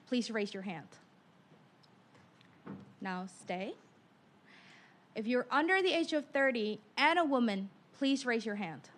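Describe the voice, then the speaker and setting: A woman's voice: on the high side, fairly bright tone. A woman from Indonesia, speaking as a panelist and turning directly to the audience with questions. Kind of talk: panel discussion remarks.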